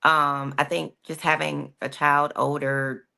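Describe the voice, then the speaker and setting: Low gravelly woman in her 40s, frank and lively, chatting on a panel. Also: takes it slowly. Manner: frank, lively, self-deprecating. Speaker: guest panelist. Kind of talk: casual chat.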